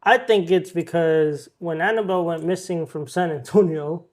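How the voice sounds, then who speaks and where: A man's voice: on the high side, moderate pace. A man hosting a podcast, casually reading out news stories with plenty of ums and uhs. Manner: relaxed, reads headlines with filler ums and uhs.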